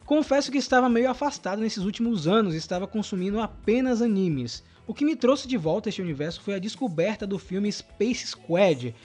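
This upbeat Brazilian man co-hosts a casual podcast and reads listener mail aloud with lively emphasis. His voice sits notably high for a man, and faint music plays under him. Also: a little fast, hardly any pauses. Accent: Brazilian Portuguese. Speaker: podcast co-host. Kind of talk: casual podcast chat, reading listener email.

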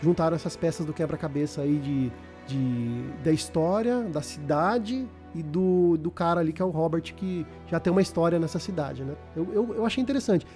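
A man's voice: fairly high pitch, normal speed, few pauses, mellow, faint music behind. A Brazilian man chatting casually as a podcast host, slangy and often repeating words as he searches for phrasing. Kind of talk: casual chat about video games.

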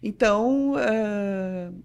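A woman's voice: medium pitch, extremely slow, clean tone. A woman from southern Brazil with a Rio Grande do Sul accent, a sports reporter telling stories in a casual podcast interview and acting out the voices of the people she quotes. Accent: Rio Grande do Sul Portuguese. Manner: animated storyteller, acts out quoted voices.

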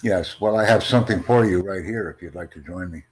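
A man with a very deep, low voice hosts an online chat. He speaks in measured, formal sentences, pitching his ideas like a presentation. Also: darkish tone. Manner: formal, promotional, measured delivery. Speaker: host of online conversation. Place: in the United States.

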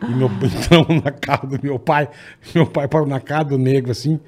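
A man co-hosting a casual chat, loud and laughing a lot, shouting when he acts out his stories. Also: mid-range voice, steady tone, moderate pace. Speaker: podcast co-host.

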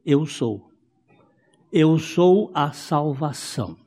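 A man teaching a Bible study sermon, explaining slowly and repeating key phrases for emphasis. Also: a little high, animated, a little mellow, slightly rough, in a large hall. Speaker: preacher.

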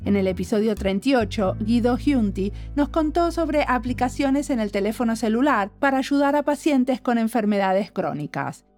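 Woman, podcast host, slightly high pitch, measured delivery, faint music behind. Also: lively intonation, darkish tone. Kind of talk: scripted intro then interview questions.

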